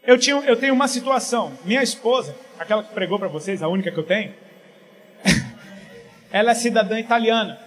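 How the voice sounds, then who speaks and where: A middle-aged man from Paraíba, Brazil, preaching a casual, joking sermon that swings from quiet to loud. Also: high-pitched, brisk, slight background noise.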